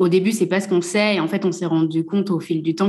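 Against a quiet background, a woman with an unremarkable speaking voice talks at a fairly low pitch with fairly even intonation. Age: 30s. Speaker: social media manager and digital nomad. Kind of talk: casual interview.

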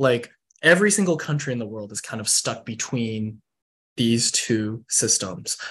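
Against a quiet background, a man with an American accent speaks at a moderate pace, his loudness swinging widely. An unremarkable speaking voice, it has a medium pitch and ordinary pitch variation. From United States, Chinese American. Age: young. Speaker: anonymous guest. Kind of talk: interview.

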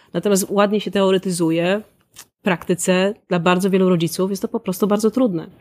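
A plain, everyday voice from a woman, medium-pitched and fairly quick, with fairly even intonation, big swings in loudness, and a dry, close sound with no echo. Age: 40s. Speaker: author. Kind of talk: interview.

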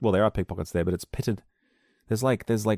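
A man's dark, mellow tone with ordinary pitch variation, in a dry, close sound with no echo and a very clean recording with a silent background. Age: 30s. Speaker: solo podcast host. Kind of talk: casual solo monologue. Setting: home recording with headphones and mic. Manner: animated.

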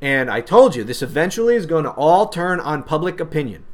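Lively intonation rides on a fairly quick pace of speech. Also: man. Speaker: political podcast host. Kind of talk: angry political rant. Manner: angry, scornful, insulting; emphatic, fast, conversational.

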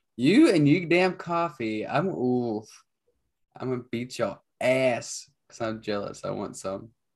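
A man speaks at a fairly slow pace in a plain, everyday voice, medium-pitched with lively intonation, over a quiet background. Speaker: podcast co-host. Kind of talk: casual chat. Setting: video call recorded from home game room.

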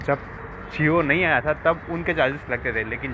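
Background noise is noticeable. The speaker's intonation is fairly even. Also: man. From Gujarat, India. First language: Gujarati (speaking Hindi). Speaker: podcaster who stammers. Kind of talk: personal audio diary. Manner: halting.

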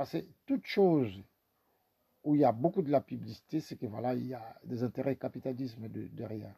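A man with a dark, mellow tone and vocal fry speaks at a medium pitch. His pace is moderate and his intonation lively. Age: 60s. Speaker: shelter resident. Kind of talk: interview.

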